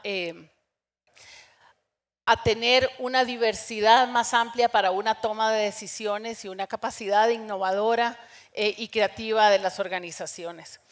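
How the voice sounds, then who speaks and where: A woman moderating a live panel discussion, hesitant, with many fillers and restarts. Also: mid-range voice. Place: conference stage.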